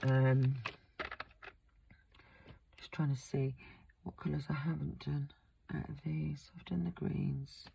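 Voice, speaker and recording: A woman with a croaky, slightly sore-throated voice talks through a wax seal craft demonstration in a relaxed, rambling way. Her pitch stays flat and level, and she fills pauses with frequent ums. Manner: relaxed, chatty, many ums. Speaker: craft channel host.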